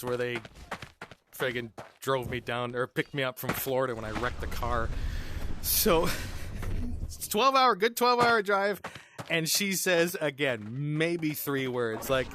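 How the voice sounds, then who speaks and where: A man's voice: fairly high pitch, noisy background. A man hosting a gaming channel, telling a rambling story in a casual way, often chuckling and restarting his sentences. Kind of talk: casual storytelling over gameplay.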